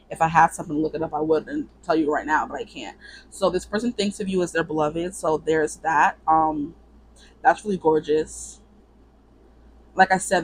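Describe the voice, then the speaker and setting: A woman's voice: fairly low pitch, a little hiss or hum, rough recording. A woman giving a casual pick-a-card tarot reading, rambling and chatty, filling her talk with "like" and "you know". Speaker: tarot reader.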